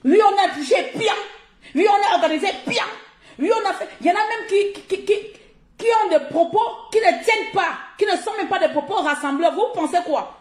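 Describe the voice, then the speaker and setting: A woman's voice: very high-pitched, animated, brisk. A woman from Gabon giving a heated, confrontational rant on a live stream, scolding her viewers and repeating herself for emphasis, recorded on her phone. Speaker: social media live streamer. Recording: echoey room.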